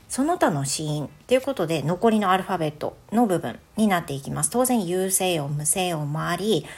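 A woman with a low, gravelly, husky voice teaches phonics casually, like a podcast. She chats easily and then slows down to sound out each letter with emphasis. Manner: relaxed and chatty, models sounds slowly and emphatically. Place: home recording for an audio app.

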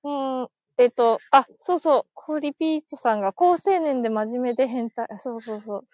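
A woman's voice: fairly high pitch, a little fast, a little mellow, dry recording, dull audio. A woman hosting a casual live stream, chatting, laughing and reading listener comments aloud as she thanks each viewer. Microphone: phone.

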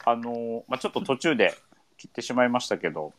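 A man hosting a casual radio chat, easygoing and filling pauses with many hesitation sounds. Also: mid-range voice, expressive, fairly bright tone. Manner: easygoing, leads with many fillers. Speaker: radio show host.

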